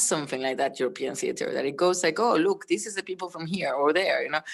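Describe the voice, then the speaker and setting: A woman with a Spanish accent speaks at a fairly quick pace in a very deep, low pitch. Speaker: theatre artist. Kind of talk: panel discussion. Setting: live-streamed panel. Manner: halting, many fillers.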